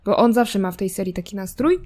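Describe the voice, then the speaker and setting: A woman's voice: mid-range voice, lively intonation, quick pace, a little mellow. A woman casually commenting while playing a life simulation game, chatty and teasing, talking to her characters and their cat. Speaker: gameplay streamer.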